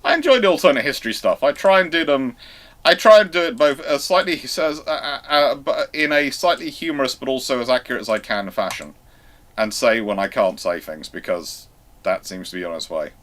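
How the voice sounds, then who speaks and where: A man hosting a casual live panel show, speaking haltingly and often circling back to rephrase. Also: mid-range voice, fairly bright tone. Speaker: host of a live history question show.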